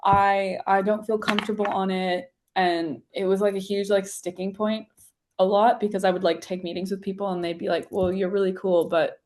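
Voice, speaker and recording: A woman's voice: mid-range voice, little pitch movement, normal speed, darkish tone, a little hiss or hum. A young adult woman, a singer-songwriter guest, chatting casually in an interview and using lots of "like" fillers. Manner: chatty, heavy use of "like" fillers.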